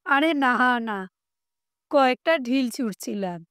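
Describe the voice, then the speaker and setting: A woman voicing a cocky, excitable grown son who boasts and laughs off worry in a storybook reading. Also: high voice, slow pace, clean tone, dry recording, clean studio sound, full character voice. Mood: boastful.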